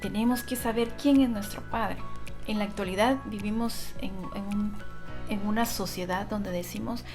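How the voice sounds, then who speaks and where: A woman's voice: medium pitch, moderate pace, music in the background. A woman co-hosting a Christian talk show, reflecting on and building on the guest's points. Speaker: co-host.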